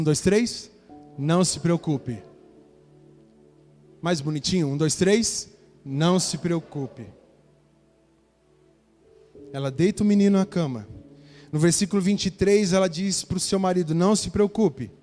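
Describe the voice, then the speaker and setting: His voice sits high and sounds a little mellow as this male pastor narrates a Bible story in his sermon, voicing the characters' dialogue. He talks directly to the congregation, and the recording carries a church hall's reverb.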